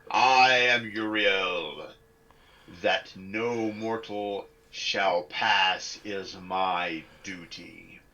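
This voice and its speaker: A man voicing a stern, unyielding angel guardian in a tabletop game, speaking in solemn, measured pronouncements. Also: sits low, sharp tone, lo-fi sound, exaggerated voice.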